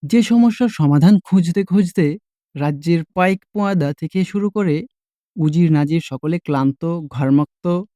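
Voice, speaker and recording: A man narrating a scripted story as a voice-over storyteller, with an expressive, dramatic delivery. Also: on the high side, moderate pace, no echo, studio quality.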